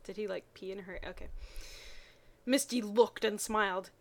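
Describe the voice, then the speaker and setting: A woman's voice: medium pitch, steady tone, moderate pace. A woman giving a mocking dramatic reading of fan fiction, slipping in muttered, sardonic comments.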